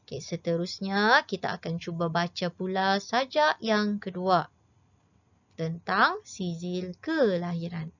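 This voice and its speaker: A woman teaching a primary school class with a Malaysian Malay accent, slow, patient and encouraging, reciting poems with dramatic intonation. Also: on the low side, lively intonation, a bit bright. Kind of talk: online lesson. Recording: dry, dull lo-fi audio.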